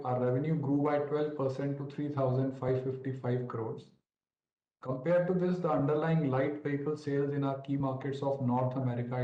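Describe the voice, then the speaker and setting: A man with an Indian accent formally presenting financial results on an earnings call in a measured, orderly way. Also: medium pitch, warm tone. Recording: roomy, dull conference call audio.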